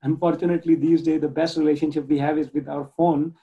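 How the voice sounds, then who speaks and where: A man from Pakistan talking earnestly about his nonprofit work as a guest on a video call, halting often with restarts and fillers. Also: a little high, little pitch movement, highs cut off. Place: home in Germany.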